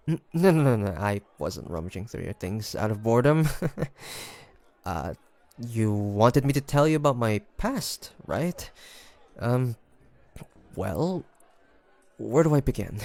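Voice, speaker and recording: Man acting a halting, gravelly young demon hunter. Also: medium pitch, darkish tone, no room sound. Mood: flustered, sheepish. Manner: halting, murmured musing, stammers when flustered. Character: young male demon hunter of 1853, hesitant, gentle, curious. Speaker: voice actor in an audio roleplay. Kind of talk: intimate audio roleplay acting.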